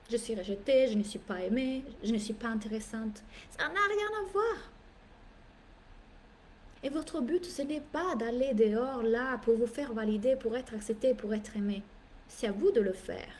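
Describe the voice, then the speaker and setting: Animated woman coach, mellow voice. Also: a little high, a little hiss or hum. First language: not French. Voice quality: animated, playful, theatrical asides. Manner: emphatic, repeats phrases for effect. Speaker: business coach. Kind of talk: live masterclass talk.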